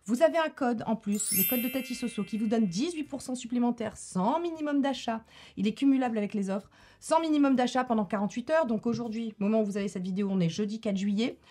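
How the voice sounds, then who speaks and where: Lady in her 40s vlogging about skincare, chatty, fairly high voice, keeps repeating herself. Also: fast, warm tone. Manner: chatty, laughs often, repeats herself for effect. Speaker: beauty YouTuber. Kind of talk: casual chat to camera.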